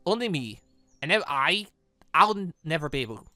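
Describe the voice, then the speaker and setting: A man's voice: fairly high pitch, very animated, moderate pace, sharp tone, no echo, clean studio sound, faint music behind, full character voice. A man voicing a grieving, stubborn young huntress in a visual novel, emotional and insistent.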